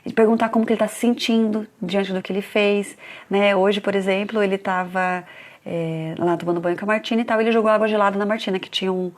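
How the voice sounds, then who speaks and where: A woman in her thirties, a parenting educator, gives a live talk about raising kids, telling stories about her own children and acting out what the family said. Her voice sits at a medium pitch with fairly even intonation, and she talks fast.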